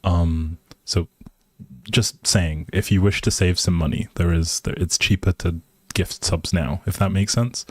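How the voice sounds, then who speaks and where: A man's voice: low voice, steady tone, measured pace, a little mellow, breathy edge, no room sound. A man hosting a casual livestream, chatting to viewers in a hesitant, rambling, appreciative way. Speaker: live streamer, host.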